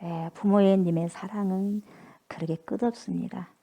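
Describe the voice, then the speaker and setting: A woman's voice: mid-range voice, steady tone, moderate pace, lo-fi sound. Woman pastor, conversational but emphatic sermon delivery. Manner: emphatic, repetitive, conversational preaching.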